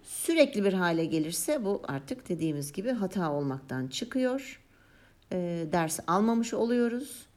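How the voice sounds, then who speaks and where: A woman's voice: mid-range voice, very animated, a little slow, a little mellow. A woman in casual conversation who explains her reflections thoughtfully, with a playful, self-mocking touch.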